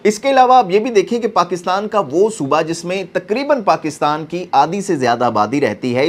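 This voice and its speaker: A man with a Pakistani accent giving earnest, explanatory political commentary, mixing in some English terms. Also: a little high.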